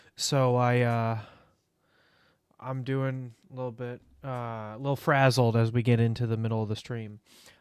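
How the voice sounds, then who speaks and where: Soft-spoken and medium in pitch, a man talks in a monotone, flat intonation with long, frequent pauses on a very clean recording with a silent background. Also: moderate pace. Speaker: vtuber streamer. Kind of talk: casual live stream chat. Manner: quiet, soft-spoken.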